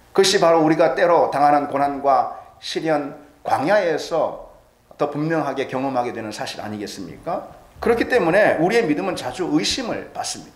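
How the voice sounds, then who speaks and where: Korean pastor preaching in an echoey church. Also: male voice, on the high side. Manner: dramatic preaching, voicing doubters' quoted lines. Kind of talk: sermon. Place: church sanctuary.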